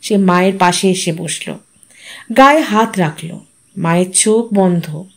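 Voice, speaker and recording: A woman narrating a literary story in a measured, expressive storytelling manner. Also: fairly low pitch, gravelly.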